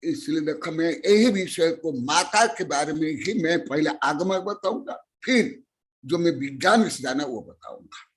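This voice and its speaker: High-voiced, slow-paced man preaching. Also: expressive. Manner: scolding, questioning the audience, bursts of loud emphasis. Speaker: Jain monk teaching scripture. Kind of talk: sermon to lay listeners.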